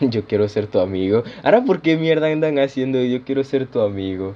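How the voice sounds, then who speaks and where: He speaks at a fairly slow pace in an ordinary speaking voice with ordinary pitch variation. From Panama. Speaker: streamer and podcaster. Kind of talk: casual live-stream chat. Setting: live stream.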